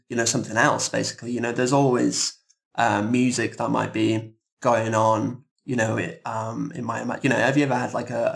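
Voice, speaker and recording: A man speaking casually as a composer guest in a roundtable interview, explaining things in a halting, thoughtful, rambling way. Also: medium pitch, vocal fry.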